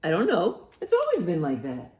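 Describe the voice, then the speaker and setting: A woman's voice: lowish voice, huge pitch swings, moderate pace, a little mellow. Woman voicing a blunt, emphatic storybook cat. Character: stern, uncertain cat from a children's picture book. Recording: roomy, echoing sound.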